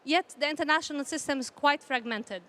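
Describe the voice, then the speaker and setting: A woman from Palestine giving earnest, measured panel remarks in a formal style, often repeating phrases for emphasis. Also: sits high, pushed and bright. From Palestinian, grew up in a conflict country. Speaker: panel speaker, peace initiative representative.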